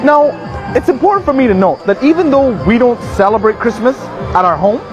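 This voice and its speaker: A man's voice: extremely high pitch, expressive, brisk, lo-fi sound. A man from the United Arab Emirates presenting a holiday vlog, upbeat and chatty. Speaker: video host and father. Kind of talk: vlog presenting and street interviews. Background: music.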